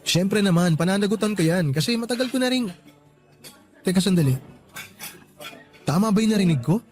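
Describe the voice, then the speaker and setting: A man with a Filipino accent acting as an affectionate, easygoing boyfriend in a radio romance drama, speaking in a conversational, expressive way. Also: high voice, fairly quick, soft background music. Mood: tender, earnest.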